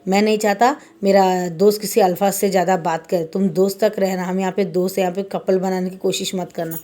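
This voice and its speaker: A stern, possessive young male student, as a woman reads him out. He speaks in a low-key, mellow tone and lays down firm rules for others in a story retelling. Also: fairly even intonation, fairly quick, lightly acted.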